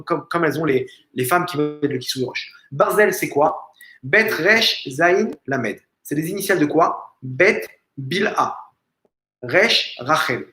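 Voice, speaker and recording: A rabbi giving an informal religious lesson in a family home, asking rhetorical questions and repeating phrases with emphasis. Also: male voice, on the high side, a bit bright. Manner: frequent restarts and stumbles. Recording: echoey room.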